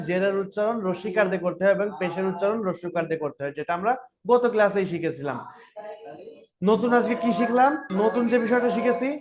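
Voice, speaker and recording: A man with a fairly high voice leads a Quran reading class, sounding out letters and vowel marks slowly. He keeps asking the class questions and answering them himself, then has everyone repeat each sound back to him. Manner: patient, repetitive, asks and answers own questions. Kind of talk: classroom lesson with call-and-repeat drills.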